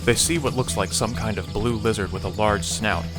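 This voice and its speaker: A man narrates an audio drama from a script, slipping in wry asides. His voice is somewhat low, and music plays clearly beneath him. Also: normal speed.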